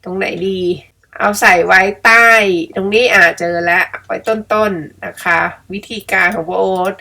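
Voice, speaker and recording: A woman's voice: medium pitch, steady tone, a little slow, gravelly, pushed and bright. A middle-aged woman chatting casually and playfully as she tells a story of her own, laughing at herself. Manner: chatty, self-mocking, laughs often. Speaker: storyteller and vlogger. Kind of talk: casual storytelling while editing pictures.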